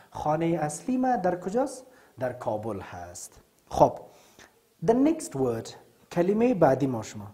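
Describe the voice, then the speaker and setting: A woman with an Afghan accent teaching an English vocabulary lesson, saying the English words slowly and clearly, then explaining them more quickly in Dari. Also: on the low side, dark tone. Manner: switches between slow, drawn-out English and quick Dari explanation.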